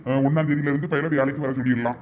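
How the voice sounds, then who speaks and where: A man's voice: on the high side, fairly even intonation, racing, phone-quality sound, a little hiss or hum. A man with a Thoothukudi Tamil accent playing a shopkeeper, friendly and chatty.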